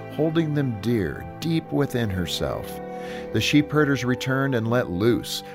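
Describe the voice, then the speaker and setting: A man hosting a devotional radio program, speaking and reading scripture in an earnest, encouraging way. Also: mid-range voice. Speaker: radio show host.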